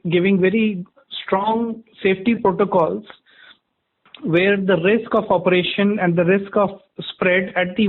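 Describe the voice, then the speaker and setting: High-pitched, hesitant Indian man on phone. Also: phone-quality sound. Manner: measured, hesitant, formal. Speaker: company executive answering analysts. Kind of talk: conference call answer. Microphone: phone line. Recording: thin phone conference line.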